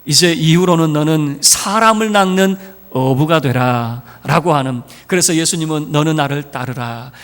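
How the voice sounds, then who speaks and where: A man's voice: a little high, moderate pace, few pauses, fairly bright tone. A male pastor preaching a sermon to his congregation, acting out the lines of biblical figures in shifting voices. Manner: acts out dialogue of biblical figures in changing voices. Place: church sanctuary. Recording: long reverb of a large church hall.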